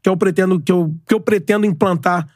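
Fast-talking and steady, a high-voiced Brazilian man in his 40s appears as a podcast guest in his bid to become club president. The clean studio sound has no room tone, and he repeats himself earnestly, speaking in slogans.

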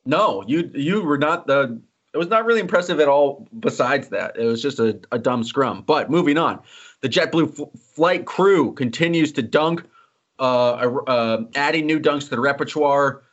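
A man hosting a casual sports podcast, teasing his co-host and joking as he moves quickly through topics. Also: mid-range voice, lively intonation. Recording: slightly dull lo-fi audio.

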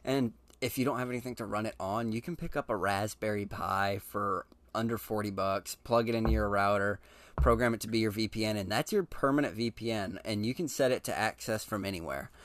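A man hosting a casual solo podcast, talking to listeners directly in a relaxed, chatty way with frequent ums and restarts. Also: on the low side, a little fast. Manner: addresses listeners directly and informally. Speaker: podcast host.

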